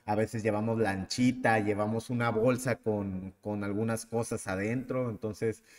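A man in his thirties with a Mexican accent, hosting a podcast and telling a personal story in a lively, casual way. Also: on the low side, measured pace, long reverb tail. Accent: Mexican Spanish. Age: 30s. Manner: animated, acts out the people in his story. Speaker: podcast host.

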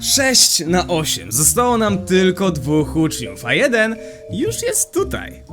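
An excitable young man narrating a game, slangy and quick to laugh, his voice leaping high and dropping low. Game music plays clearly behind him. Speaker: gaming youtuber. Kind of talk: Minecraft let's play commentary.

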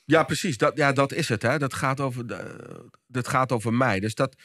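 A man with a Dutch accent, a podcast guest explaining his ideas with frequent restarts and searching pauses. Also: medium pitch, a bit bright, dry recording, studio quality. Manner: thoughtful, searching for words with many restarts. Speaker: podcast guest, behavioral scientist and speaker. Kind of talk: casual podcast conversation.

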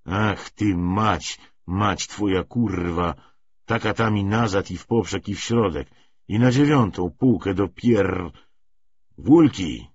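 Man playing grumbling soldier, profane, coarse, low husky muttering, audiobook, slightly muffled. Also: slow, exaggerated voice. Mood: grumbling, cursing. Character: grumbling, coarse, swearing cavalry soldier on foot. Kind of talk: audiobook character reading.

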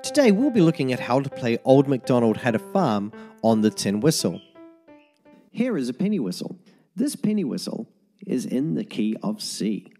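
A man narrating a tin whistle lesson as a voice-over, giving slow, methodical step-by-step fingering instructions. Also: mid-range voice, vocal fry, warm tone. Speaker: music teacher.

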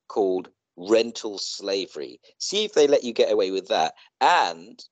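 A middle-aged man chatting casually on a video call in a rambling, halting way that often circles back on itself. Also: fairly low pitch, no room sound. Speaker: co-host in a two-person online chat. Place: indoor room, video call.

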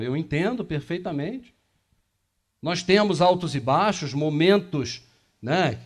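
High-voiced man lecturing in a meeting room. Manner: conversational, asks the audience questions, gestures widely. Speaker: lecturer at a spiritist center. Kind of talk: spiritist lecture to a small audience. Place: small meeting room with projector screen. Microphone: room camera from across the room.

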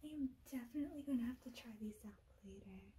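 A young woman doing a soft-spoken, half-whispered ASMR roleplay as a kindly leprechaun queen, gentle, cooing and doting, close up in a small room. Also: on the high side, quick pace. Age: young adult.

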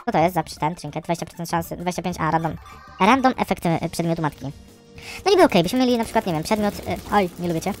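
A man giving casual, chatty gameplay commentary as a streamer, grumbling along and breaking into frustrated yells. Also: high voice, fast, soft background music. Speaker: gaming streamer.

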